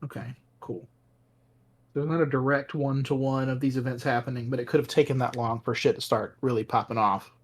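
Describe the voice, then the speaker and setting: Player at the table, mid pitch, brisk and detail-minded, casual chat. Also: fairly even intonation. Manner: brisk, detail-checking questions.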